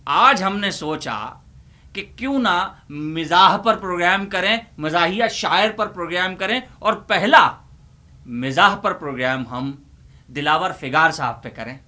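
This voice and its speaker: A man playing a bright-voiced, theatrical old uncle. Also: sits high. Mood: pompous, presenting. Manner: theatrical, declamatory, with deliberate pauses. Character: theatrical old uncle librarian reciting comic poetry, easily exasperated. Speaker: host. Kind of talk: dramatic comic Urdu poetry presentation.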